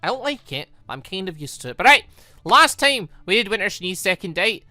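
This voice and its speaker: Man, bright forceful voice, casual gaming commentary, rambling and informal, dry close sound, music underneath. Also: high-pitched, very animated, brisk, no echo. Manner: rambling, self-correcting, informal. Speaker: gaming video host. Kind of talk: casual let's-play commentary.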